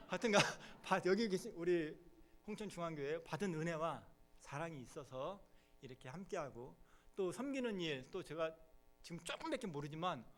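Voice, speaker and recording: A man's voice: a little high, animated, moderate pace. A young man preaching in church, telling a story and acting out each character's lines, laughing and choking up along the way. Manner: laughs and chokes up while telling. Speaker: junior pastor. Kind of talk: storytelling sermon. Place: church sanctuary.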